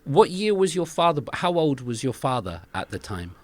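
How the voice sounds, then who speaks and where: A man interviewing an elderly guest, asking gentle, encouraging questions and often adding short affirmations. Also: a little high, big pitch swings, moderate pace. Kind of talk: conversational interview.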